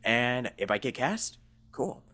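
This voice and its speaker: A man chatting casually as a host, his pitch swinging up and down in a very animated way. He talks in loose, rambling runs, breaks off to restart, and slips easily into laughter. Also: slow pace. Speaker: voice actor and show host. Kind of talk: casual chat.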